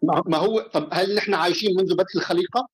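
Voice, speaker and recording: Rapid, husky Levantine man arguing. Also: high-pitched. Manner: pressing, repetitive, interrupting. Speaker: debater. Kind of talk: informal live debate.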